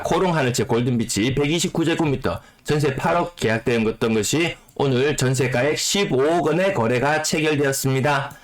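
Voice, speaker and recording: A man whose voice is rough from a cold, explaining housing market figures and repeating key phrases for emphasis. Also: mid-range voice. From South Korea. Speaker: real estate YouTuber. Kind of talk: data commentary on the housing market.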